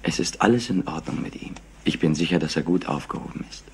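An actor playing a clever, slightly overwrought young nephew in a German crime radio play, evasive and condescending. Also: male voice, sits low, quick pace, vocal fry, very noisy. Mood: smoothly evasive.

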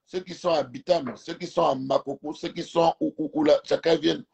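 A man from Gabon, a native Fang speaker, argues his point in a casual live video chat, speaking emphatically and stumbling over repeated words. His voice sits a little high for a man, and he talks into a phone held close while he lies on a couch at home. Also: fairly even intonation, normal speed, vocal fry, darkish tone. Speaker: live stream guest. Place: indoors, lying on a couch at home. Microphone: phone camera held close.

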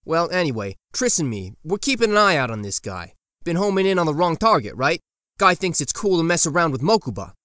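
A man acts a streetwise teenage boy for an audio drama. His speech is colloquial and sardonic, swinging widely in pitch. The sound is dry. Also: sing-song, brisk, fairly bright tone, dry recording. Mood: offhand. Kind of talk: casual, colloquial fan audio drama acting.

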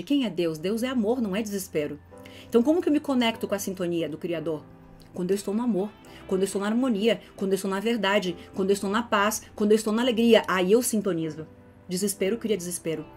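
A woman's voice: medium pitch, fast talker, a little mellow, soft background music. Emphatic woman preaching motivation. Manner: emphatic, preachy, asks rhetorical questions. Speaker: motivational speaker. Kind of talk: motivational spiritual talk.

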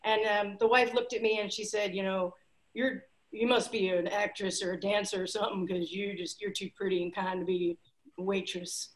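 A woman in her forties, a playwright, telling a heartfelt story softly over a video call from home. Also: mid-range voice, fairly even intonation, normal speed, rough recording. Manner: heartfelt, soft, trailing off, emotional. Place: home living room.

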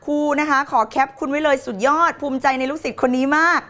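High-voiced, playful woman teacher. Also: level tone, fast talker, fairly bright tone. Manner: playful and theatrical, laughing and putting on voices. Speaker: motivational teacher on a live stream. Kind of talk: lively live-stream talk reading viewer comments.

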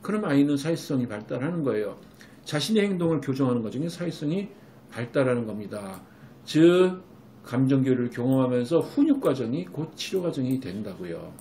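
A middle-aged man, a clinic director, lectures parents on raising children, animated, acting out what a mother might say. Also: mid-range voice, fairly quick, slight background noise. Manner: animated, acts out a mother's voice when quoting. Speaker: Korean medicine clinic director giving parenting advice.

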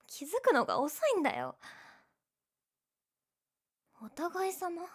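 A woman's voice: very high voice, wildly swooping pitch, slow, full character voice. A young woman playing a teasing, prickly, secretly lovestruck tsundere childhood friend in a romantic audio drama. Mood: embarrassed, tender. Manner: bratty teasing, flustered, emotive.

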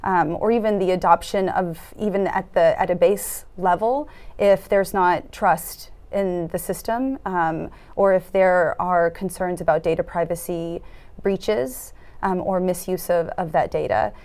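A woman in her thirties giving earnest interview answers in a studio, often pausing with fillers and restarting her sentences. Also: on the low side, fairly even intonation, darkish tone. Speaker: foundation program officer, interviewee. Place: dark studio set at a conference.

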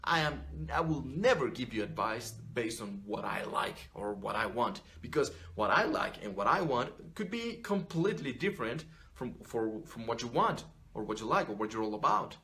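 A man in his thirties, an English speaker, rants to camera with a mid-pitched voice. He talks in an animated, blunt way, swearing freely and restarting sentences. He sits in a small room close to a desk mic. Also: normal speed, hardly any pauses, slight background noise. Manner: animated, blunt and profane, with many restarts and "you know". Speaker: image consultant. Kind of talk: unscripted vlog rant to camera. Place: small furnished room indoors.

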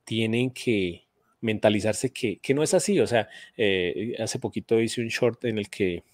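A middle-aged math teacher and video host speaks casually and earnestly on a live stream, giving advice with some restarts. His voice sits on the low side and moves a little slowly. The studio-quality audio from his home studio, via a boom-arm studio mic with headphones, has no room sound.

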